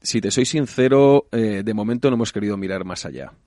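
A man's voice: fairly low pitch, a little fast, warm tone, no room sound, clean studio sound. A man talking as a franchise expansion director in a business interview, fluent with some fillers.

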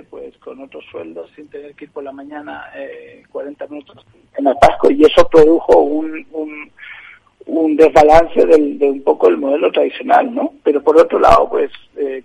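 A man from Chile speaks in a rough, gravelly, slightly husky voice, with a pitch a little above the usual. He picks his words as he goes, with pauses and restarts. The sound comes through a thin, tinny phone line. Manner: thoughtful, many hesitations and restarts. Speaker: agency partner, guest. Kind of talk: conversational podcast interview.

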